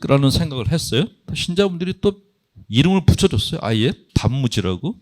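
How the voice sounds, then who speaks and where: A middle-aged man, a Catholic priest, giving a humorous spiritual talk full of anecdotes and jokes for an audience. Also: mid-range voice. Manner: joking, anecdotal storytelling to an audience.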